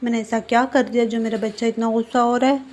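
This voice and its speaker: A woman's voice: a little high, little pitch movement, fast talker, a little mellow, natural voice. A woman voicing a doting middle-aged mother who fusses over her boys in a fan-fiction story. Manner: fussing, doting.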